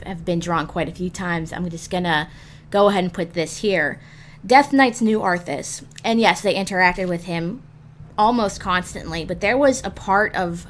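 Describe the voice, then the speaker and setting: Woman narrating a guide over music. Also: fairly low pitch. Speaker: host of a gaming roleplay guide. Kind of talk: scripted explanatory narration.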